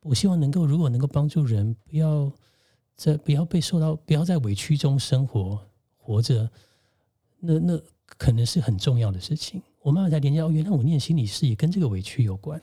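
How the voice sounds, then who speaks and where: A man, a podcast guest and co-host gently telling a personal story in casual conversation. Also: on the high side, lively intonation, fairly quick, husky. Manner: reflective, gentle, recounts childhood memories.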